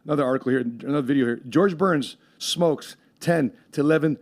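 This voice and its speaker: A man's voice: a little high, a little fast, vocal fry, a little mellow. Man, podcast host, casual chat, filler-heavy, laughs often. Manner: laughing, rambling, many fillers.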